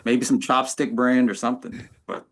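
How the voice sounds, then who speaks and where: A man making deadpan, self-mocking jokes as a guest on a live stream. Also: medium pitch, moderate pace, noisy background. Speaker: guest YouTuber. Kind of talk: casual banter.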